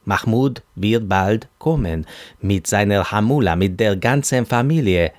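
A man's voice: on the low side, animated, a little slow, no echo, studio quality. A man voicing a pushy, talkative Arab Christian man who repeats himself pompously, in an audiobook. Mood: effusive. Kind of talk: audiobook character voice.

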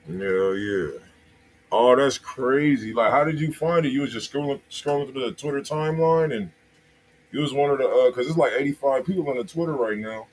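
A man's voice: medium pitch, normal speed. A man in his thirties with an American accent, hosting a livestream in casual, slangy chat, speaking straight to his viewers. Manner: slangy, conversational, addressing viewers directly. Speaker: music review livestream host. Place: indoors, small room. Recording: noisy livestream room sound.

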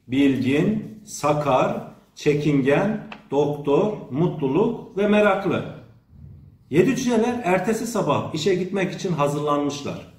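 Man, scripted children's storytelling, animated melody, falling sentence endings, echoey room. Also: high voice. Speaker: education official reading a fairy tale. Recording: roomy, echoing sound.

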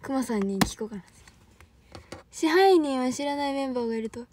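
A woman's voice: high voice, animated, fairly quick, background noise. A young woman with a Kansai accent, chatting on a livestream as an idol trainee, rambling and laughing often while thanking viewers. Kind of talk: casual livestream chat.

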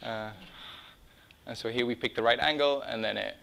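A man's voice: mid-range voice, moderate pace, creaky, bright, forceful tone, a little hiss or hum, rough recording. Man giving an informal talk. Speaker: speaker presenting his own drone project. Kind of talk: informal conference-style talk with slides. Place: indoor meeting room or small lecture room.

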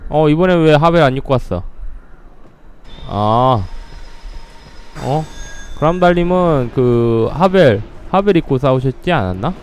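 A man's voice: fairly high pitch, animated, measured pace, long pauses, a little hiss or hum. A man giving casual, playful commentary over a game he is playing, laughing often and letting out sudden startled exclamations. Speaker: gameplay commentator.

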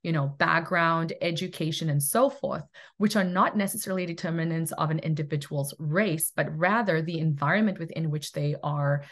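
A woman's voice: low-pitched, normal speed, few pauses, fairly bright tone. A middle-aged woman from South Africa giving a recorded lecture from home over webcam, earnest and thoughtful, with many fillers and restarts. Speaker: presenter in a university research toolkit.

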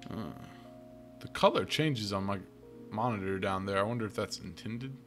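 Bright-voiced man playing a video game. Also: fairly low pitch, moderate pace. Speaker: gaming video host. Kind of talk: casual let's play commentary. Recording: game music behind the voice. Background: video game music.

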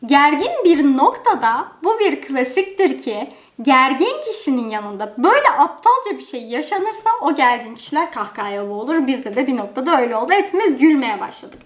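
Animated young woman telling a story. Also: sits high, fairly quick. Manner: animated, expressive, chatty with many fillers. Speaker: storytime vlogger. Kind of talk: casual storytelling. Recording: roomy echo.

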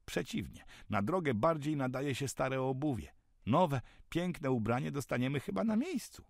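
A man's voice: medium pitch, expressive, normal speed, vocal fry, no echo, clean studio sound, voice pushed up. A man doing a good-natured henpecked villager. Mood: easygoing. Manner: easygoing, shrugging, folksy.

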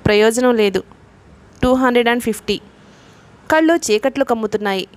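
A woman's voice: on the high side, animated, brisk, slight background noise. A woman narrating a novel as an audiobook reader, reading the characters' lines in her own voice.

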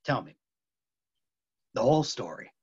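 A man's voice: mid-range voice, sing-song, unhurried, a little mellow, husky, full character voice. A man playing an earnest, intense film actor pressing for the truth in a staged reading. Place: room at home, video call. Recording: dull, muffled video-call audio.

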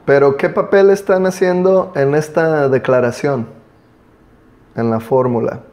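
A man's voice: fairly high pitch, normal speed, darkish tone. A man teaching an English class, patiently drilling a student with prompts and switching between two languages.

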